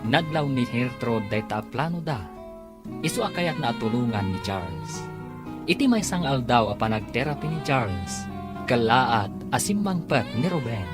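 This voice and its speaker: Animated male radio serial announcer over music. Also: mid-range voice, moderate pace. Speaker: radio drama announcer and narrator. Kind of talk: scripted radio serial narration.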